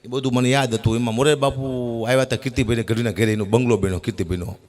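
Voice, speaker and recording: A middle-aged man, an animated folk comedian telling stand-up jokes at a gathering and shouting his punchlines. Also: mid-range voice, racing.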